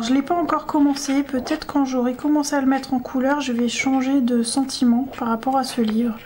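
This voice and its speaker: High-voiced chatty woman vlogger. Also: darkish tone, a little hiss or hum. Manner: chatty, gushing, giggly. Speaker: coloring-book vlogger. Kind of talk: casual chat.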